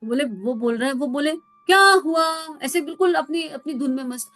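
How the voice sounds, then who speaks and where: A woman spiritual counsellor giving a devotional talk, telling stories in an animated way and mixing in English words. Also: high-pitched, fast, dry recording.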